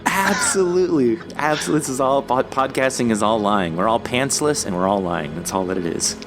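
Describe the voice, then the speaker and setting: A man's voice: mid-range voice, expressive, a little fast, music in the background. A man hosting a podcast interview in a casual, joking, enthusiastic way, with some easy swearing. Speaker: podcast host interviewing a guest.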